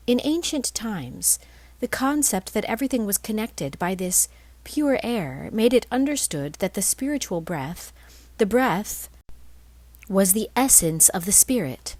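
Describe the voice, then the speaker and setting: A woman reading a spiritual text aloud as scripted narration, in measured phrases with deliberate pauses. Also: mid-range voice, darkish tone, no echo. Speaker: reader of a spiritual blog.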